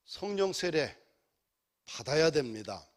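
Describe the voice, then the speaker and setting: A man's voice: fairly high pitch, sing-song, a little slow. A male pastor preaching a sermon in a church, building to emphatic exhortations.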